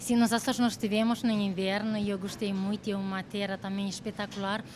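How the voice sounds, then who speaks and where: Fairly quick speech in a Romanian accent, with fairly even intonation. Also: woman. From Moldova. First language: Romanian (speaking Portuguese). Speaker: restaurant cashier. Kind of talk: interview. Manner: halting.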